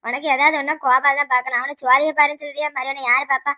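Cartoon: bossy older village woman neighbor, Tirunelveli accent, very rapid, sharp lecturing delivery, voiced by a performer. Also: high voice, flat delivery. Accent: Tirunelveli Tamil. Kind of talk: cartoon voice acting.

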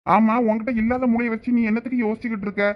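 Fast, high man playing a caring husband. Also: flat delivery, muffled recording, heavy background noise. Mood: teasing. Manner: coaxing, affectionate, teasing. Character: caring young husband, a supervisor. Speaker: actor in a village family skit. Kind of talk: village comedy-drama acting.

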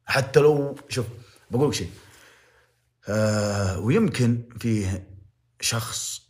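A man's voice: fairly low pitch, lively intonation, a little slow, darkish tone. A young man with a Saudi accent giving impassioned, moralizing livestream commentary, repeating phrases to press his point. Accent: Saudi Arabic.

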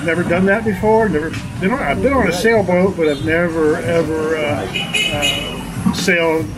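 An American man in his sixties from New York state, speaking informally to camera in halting, clipped phrases. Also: a little high. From Buffalo, New York, United States. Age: older, 60s. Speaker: charter guest crew. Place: outdoor yard by a street. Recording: very noisy outdoor street recording.

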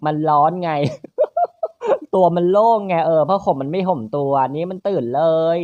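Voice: darkish tone, dry recording, lo-fi sound. Crude, teasing game commentator. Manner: crude, teasing, rapid banter with frequent high laughs. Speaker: gaming channel host. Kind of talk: playful let's-play commentary.

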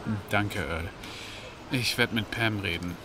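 A man's voice: lowish voice, a little slow, noisy background, lightly acted. An actor playing a weary, troubled man, subdued and thoughtful, in a German audio drama. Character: weary, troubled man confiding in his neighbour.

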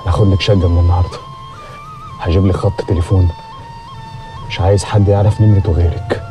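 A low-voiced, reassuring man. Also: huge pitch swings, fast talker. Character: man promising a woman secret marriage. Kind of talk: TV drama acting. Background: music.

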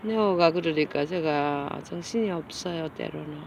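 A woman's voice: low-pitched, gravelly, muffled recording, a little hiss or hum. A middle-aged woman, talking in a casual vlog as she coaxes and feeds stray cats outdoors. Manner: coaxing, doting talk to cats, slow and soft. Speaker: cat caretaker vlogger. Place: outdoors by a street.

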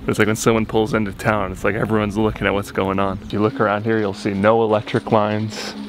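A man's voice: on the low side, flat delivery, quick pace. A young man talking earnestly to a camera he holds at arm's length, outdoors and in a car. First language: English. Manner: earnest, talks straight to camera. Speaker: vlogger, coffee company founder. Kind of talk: casual vlog to camera. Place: outdoors on a rural road and in a car, then a village.

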